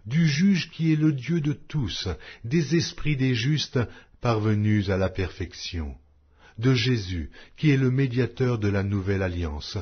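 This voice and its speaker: A man with a low, husky voice reads scripture aloud as a solemn narrator. His delivery is measured and declamatory, rising and falling widely in pitch. The recording is dull and lo-fi. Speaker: audiobook narrator reading scripture. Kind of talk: solemn scripted Bible reading.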